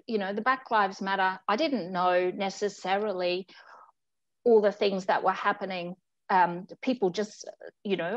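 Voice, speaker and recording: A woman's voice: mid-range voice, lo-fi sound. Earnest woman on a video call. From Australia. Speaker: guest, communications executive. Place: home room indoors.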